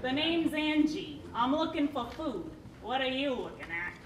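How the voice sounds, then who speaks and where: A sly, grumpy anglerfish, as a woman acts her out in a puppet show, talks with a gruff sarcastic edge. Her high voice swings widely. It echoes from afar in a hall. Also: very animated, measured pace, recorded from a distance, noisy background, heavily acted.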